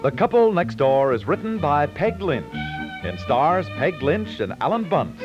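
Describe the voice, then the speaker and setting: Animated American radio announcer, male. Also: a little high, measured pace, over music. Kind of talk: 1950s scripted radio announcing. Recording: muffled 1950s radio broadcast.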